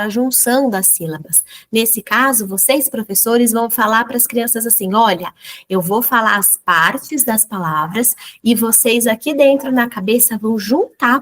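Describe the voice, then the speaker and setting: Higher-voiced Brazilian woman teaching slowly. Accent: Brazilian Portuguese. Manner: didactic, addresses teachers directly with rhetorical questions; draws out example words slowly, syllable by syllable. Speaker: teacher trainer. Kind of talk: recorded training lesson.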